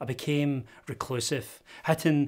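A voice with a Scottish accent, set against a quiet background. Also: man. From Scotland. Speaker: poet. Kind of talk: spoken-word poem performance, rhythmic and rhyming. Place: studio.

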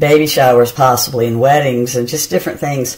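Speaking at a moderate pace with an American accent, a woman uses a very deep, low pitch with ordinary pitch variation. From Charlotte, North Carolina, US South. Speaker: cooking video creator. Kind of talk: cooking tutorial. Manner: chatty, conversational. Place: kitchen. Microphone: phone near.

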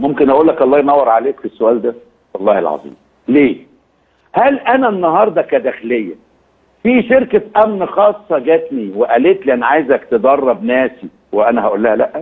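Against a quiet background, a man with a fairly high pitch speaks in an animated tone, with very wide pitch swings and very even loudness. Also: moderate pace. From Egypt. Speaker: retired police general, security expert; guest. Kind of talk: TV interview. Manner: animated, emphatic. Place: studio.

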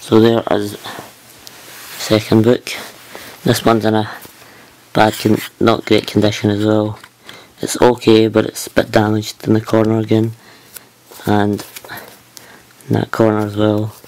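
A man speaks at a moderate pace in a fairly low voice. His intonation is monotone and flat, with long, frequent pauses. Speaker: YouTuber showing a book collection. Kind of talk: casual show-and-tell video. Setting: recording close behind a camera. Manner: loud; hesitant, many ums. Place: home room. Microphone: phone near.

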